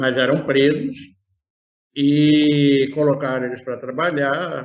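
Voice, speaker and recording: A man's voice at medium pitch. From Brazil, Rio de Janeiro city. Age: 70s. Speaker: aviation photographer, retired airport worker. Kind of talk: interview, personal life story.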